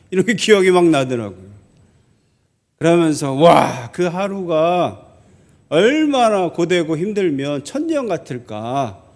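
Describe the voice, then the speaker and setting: A male pastor preaching a sermon in a church, telling a story from his army days and asking the congregation questions. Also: fairly high pitch. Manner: storytelling, slows and stresses key phrases, asks the congregation questions.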